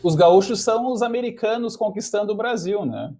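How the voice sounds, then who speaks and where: A man with a Porto Alegre accent and a fairly high voice. He hosts a casual conversation and makes dry, wry remarks. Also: a little fast, mellow. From Porto Alegre, Brazil. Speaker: host and teacher.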